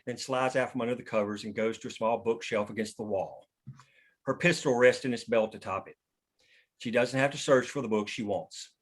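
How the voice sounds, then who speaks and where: A man reads scripted scene descriptions as the narrator of a table read. His voice is medium in pitch. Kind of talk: scripted narration of stage directions.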